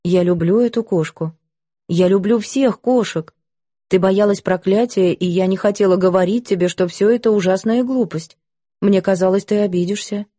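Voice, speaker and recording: A meek, gentle elderly lady, as a woman narrator puts her on, speaks softly and kindly. Her voice is warm and mellow, close and dry. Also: mid-range voice, normal speed, no echo, lightly acted.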